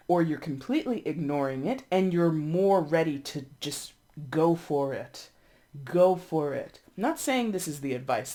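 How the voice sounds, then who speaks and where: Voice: medium pitch, a little mellow. Stuffed-up tarot reader, thirties, chatty and blunt, swears a bit, says stuff like go go go. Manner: blunt and chatty, swears, repeats words for emphasis. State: congested, sniffling. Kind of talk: casual tarot reading.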